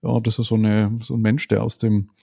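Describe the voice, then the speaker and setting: Gravelly mid-forties guy on a podcast, dark mellow tone, keeps tacking on little questions. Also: fairly low pitch, level tone. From Germany. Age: 40s. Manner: thoughtful, measured, frequent "ne?" tag questions. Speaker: podcast guest. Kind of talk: casual conversational interview.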